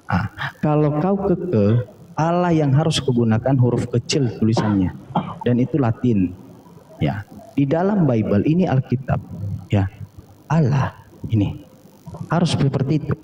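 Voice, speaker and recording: A man's voice: medium pitch, animated, a little slow, long pauses, warm tone. A man in a heated live debate, insistent and hectoring, often repeating himself. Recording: echoey, dull lo-fi stream with faint noise.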